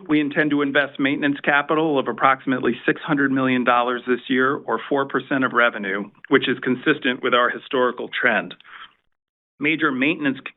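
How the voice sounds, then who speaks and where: A thin, phone-like line carries a man's voice at an average pitch. He speaks formally, like a finance executive working through a scripted corporate presentation. The delivery is that of someone reading prepared remarks on a conference call.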